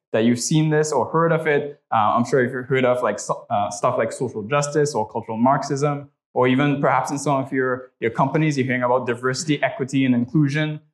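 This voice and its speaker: A young Trinidadian man with a local accent and a mid-range voice teaches a church class and leads a prayer. He talks conversationally, tagging many of his sentences with "right?"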